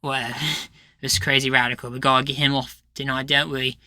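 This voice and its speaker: A man's voice: medium pitch, little pitch movement, normal speed, pushed and bright, dry recording, clean studio sound. A man playing a smug, dismissive podcast host in a futuristic roleplay, condescending and showy in a mock broadcast style. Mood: breezy.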